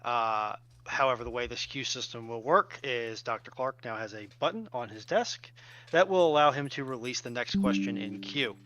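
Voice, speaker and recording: A man explaining technical updates as a stream moderator over a voice call, in measured, formal wording. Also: medium pitch, a bit bright, a little hiss or hum. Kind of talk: explanatory announcement. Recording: dull lo-fi voice-call audio.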